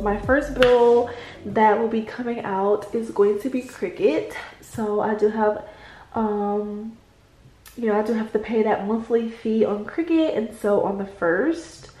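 Slow-talking congested woman vlogger. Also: mid-range voice, a little mellow, echoey room, poor audio. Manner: slow, chatty, addresses viewers as y'all. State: congested, stuffy nose. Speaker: budget planning vlogger. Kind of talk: casual chat while writing in a planner. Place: indoors at a desk at home, late at night.

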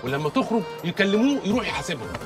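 An actor playing a sly male servant with an Egyptian accent, talking in a rapid, wheedling manner. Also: sits high, big pitch swings, music in the background. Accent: Egyptian Arabic.

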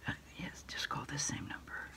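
A middle-aged woman doing a hushed ASMR roleplay, unhurriedly taking orders into a phone handset. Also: normal speed. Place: small indoor desk space.

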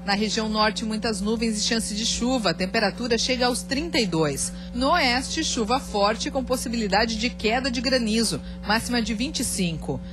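A woman news anchor reading scripted regional news and weather in an even delivery, recorded in a TV studio on a lapel mic. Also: fairly high pitch, normal speed, few pauses, music in the background. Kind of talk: news presenting.

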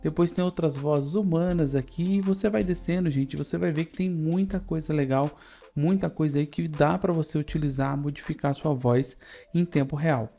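A Brazilian-accented man presents a casual software walkthrough in a mellow, dark-toned voice. He is on a USB microphone, with music underneath. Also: a little high, moderate pace, vocal fry. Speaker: tutorial presenter. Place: studio indoors.

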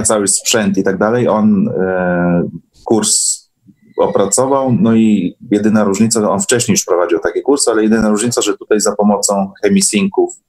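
A man's voice: fairly low pitch, a little mellow, poor audio. A man speaking as a guest in a casual online interview, explaining things conversationally. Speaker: guest recounting course experiences. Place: online call.

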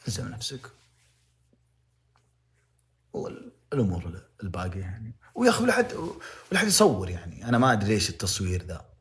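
A man's voice: mid-range voice, wildly swooping pitch, rapid-fire, fairly bright tone. A young man with a Saudi accent giving impassioned, moralizing livestream commentary, repeating phrases to press his point. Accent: Saudi Arabic.

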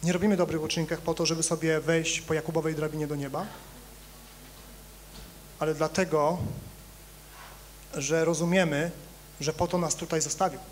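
A male pastor preaching a sermon in a church, animated and conversational, swinging between loud emphatic rises and quiet low asides while joking with the congregation. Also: normal speed, long pauses, a little hiss or hum. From Poland. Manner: conversational, addresses congregation directly with humor.

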